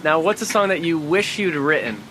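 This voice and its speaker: A man interviewing someone outdoors at a home garden, upbeat and quick in his questioning. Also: on the high side, animated, bright, forceful tone, a little hiss or hum. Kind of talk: rapid-fire interview questions.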